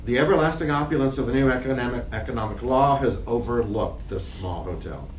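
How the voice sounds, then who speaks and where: A man reading stage directions aloud as narrator at a live play reading, in a measured, literary way. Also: medium pitch. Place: library reading room. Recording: echoey room, distant mic, faint noise.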